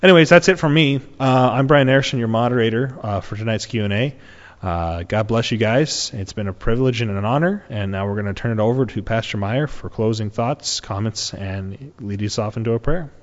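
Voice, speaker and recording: A man's voice: on the low side, fairly quick. A man moderating an online church Q and A, giving casual, rambling announcements full of fillers. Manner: rambling, many fillers and restarts. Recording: muffled with long reverb.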